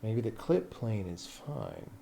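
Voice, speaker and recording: A man's voice: fairly low pitch, wildly swooping pitch, takes it slowly, creaky, dark tone. A man livestreaming game programming, muttering casually to himself in short fragments with the odd swear word. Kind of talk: casual thinking aloud while coding on stream. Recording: faint noise with keyboard typing. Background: computer keyboard typing.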